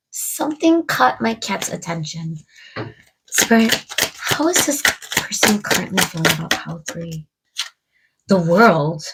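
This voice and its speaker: Woman tarot reader, husky and stuffed up, chatty musing delivery. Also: medium pitch, low-quality recording. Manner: musing aloud, addressing spirit and viewers. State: stuffed up from a cold. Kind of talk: casual tarot card reading to camera.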